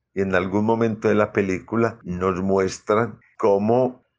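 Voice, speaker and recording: With a quiet background behind him, a man's pitch varies in an ordinary way. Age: 60s. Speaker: LGBT activist. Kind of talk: interview.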